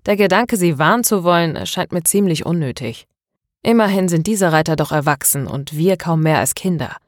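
A woman voicing a calm, rational young male student in an audiobook, matter-of-fact and dismissive. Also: fairly low pitch, normal speed, no room sound, clean studio sound, natural voice. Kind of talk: dramatized audiobook dialogue.

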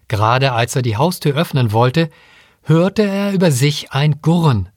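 A man reading a story aloud in scripted narration, with even storytelling. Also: medium pitch, dry recording, studio quality. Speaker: audiobook reader.

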